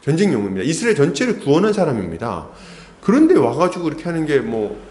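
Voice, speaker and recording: A man's voice: fairly high pitch, wildly swooping pitch, fast, darkish tone, echoey room. A male pastor preaching an expository sermon, often asking the congregation questions and acting out what people might have said. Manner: asks the congregation questions, acts out quotes. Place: church sanctuary.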